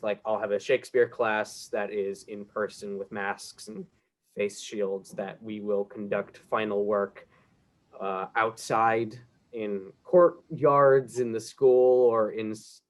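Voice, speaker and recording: A young man, an acting student, talking at length about his classes and projects on a video call panel. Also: lowish voice. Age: young adult. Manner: chatty, explains at length. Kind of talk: casual panel talk. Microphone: video call mic.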